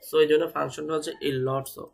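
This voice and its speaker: Man, web development teacher, feverish, flat-toned, rapid. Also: on the high side, gravelly. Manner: explains step by step, repeats words and spells them out. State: speaking slowly because of fever. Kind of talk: live online coding class.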